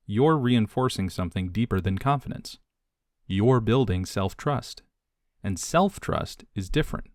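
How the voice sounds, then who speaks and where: A man reading scripted audiobook narration in a measured, hushed way with deliberate dramatic pauses. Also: lowish voice, no room sound, clean studio sound.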